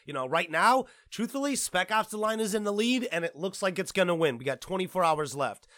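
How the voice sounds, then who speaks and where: A man hosting a podcast, talking in a casual, rambling and excitable way, tripping over his words and swearing now and then. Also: high-pitched, brisk, no room sound. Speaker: podcast host and producer.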